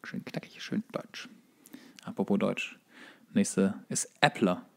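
Low-pitched wry man chatting. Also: slow, creaky, a little mellow, whispered. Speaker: podcast co-host. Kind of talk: casual comedic chat.

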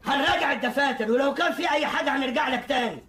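An actor playing an overbearing, officious government tax collector who threatens people, in a historical film. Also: male voice, extremely high pitch, very fast, pushed and bright, far from the mic. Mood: smug. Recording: echoey room, off mic.

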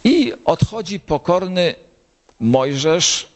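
Slow-speaking priest telling a story. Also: male voice, animated. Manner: slow storytelling, rising to high emphatic lines. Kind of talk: sermon. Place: gathering of bible circles.

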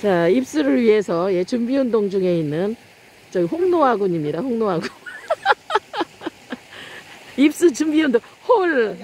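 High-pitched, animated woman narrating outdoors. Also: fairly quick. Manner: excited cheering and exclaiming. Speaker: camera operator and narrator. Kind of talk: live running commentary, casual vlog. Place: outdoors beside a snowy stream. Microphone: behind the handheld camera. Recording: noisy outdoor phone camera recording.

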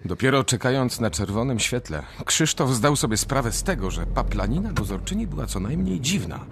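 A man's voice: medium pitch, very animated, fairly quick, vocal fry, slight background noise. A man reading scripted narration for a radio drama.

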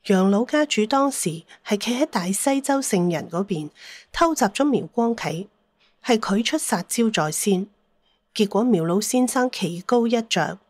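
A woman's voice: mid-range voice, no room sound. A woman narrating a scripted dramatic story as an audiobook narrator.

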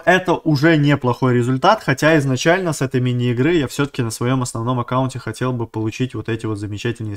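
A man with a mid-pitched voice chats through his gaming video as the channel's host. He thinks aloud, stops to correct his own numbers, and sprinkles in slang and diminutives. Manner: uses many diminutives and gamer slang. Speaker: gaming YouTuber. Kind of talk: casual gameplay commentary.

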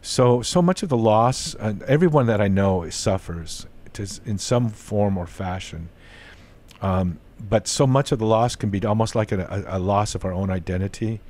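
A man's voice: lowish voice, darkish tone. An older man in his sixties hosting an interview podcast from a home study, talking earnestly and restarting his sentences often. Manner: earnest, halting with frequent restarts. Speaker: host. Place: home study lined with bookshelves. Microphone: studio mic on boom arm, headphones.

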